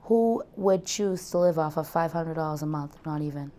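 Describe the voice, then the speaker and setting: A woman's voice: low voice, normal speed, dark tone. A woman in her thirties with a Boston accent, speaking matter-of-factly in an interview. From South Boston, Massachusetts. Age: 30s.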